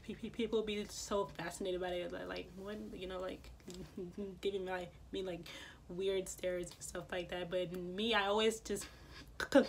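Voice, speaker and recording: Soft-spoken woman who stutters. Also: medium pitch, a little hiss or hum. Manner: stutters often, repeating sounds and words; many fillers, soft-spoken. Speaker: vlogger. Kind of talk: casual talk to camera.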